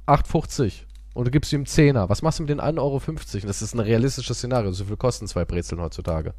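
A man's voice: medium pitch, fast talker, no room sound. A man hosting a casual podcast, telling stories theatrically and teasing his co-host with sarcasm. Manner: animated, theatrical storytelling.

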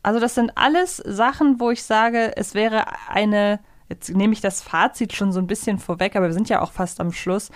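A woman's voice: medium pitch, moderate pace, few pauses, no echo, studio quality. A woman co-hosting a casual review podcast, rambling and correcting herself as she goes. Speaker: podcast co-host.

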